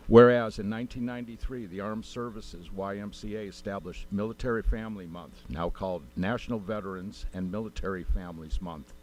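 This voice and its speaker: A man, the mayor, reading a formal proclamation in a measured way at a city council meeting. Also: fairly low pitch, slight background noise, rough recording.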